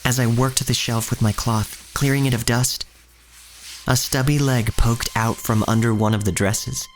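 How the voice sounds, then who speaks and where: An actor playing an earnest, uneasy young shop boy, narrating his own story in a measured, literary way. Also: medium pitch, fairly even intonation, a little hiss or hum, lightly acted, poor audio. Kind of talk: first-person scripted narration in audio drama.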